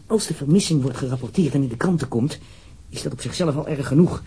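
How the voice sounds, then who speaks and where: A man's voice: mid-range voice, fast talker, warm tone, husky. A man with a Netherlands Dutch accent playing an uneasy, formal government official in a radio drama, wordy and hesitant. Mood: uneasy, grave.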